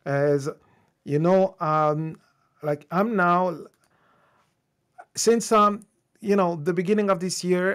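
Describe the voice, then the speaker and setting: A man whose first language is French, hosting a live-streamed tech talk in English, speaking off the cuff with restarts and fillers while greeting viewers. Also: on the high side. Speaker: host.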